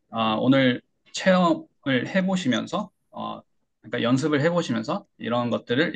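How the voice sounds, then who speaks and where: A man teaching pronunciation in an online class. His voice is husky and gravelly and sits at a middling pitch. He explains each point step by step, with many hesitations, and models words with exaggerated rises. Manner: frequent hesitation fillers. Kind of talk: online lecture.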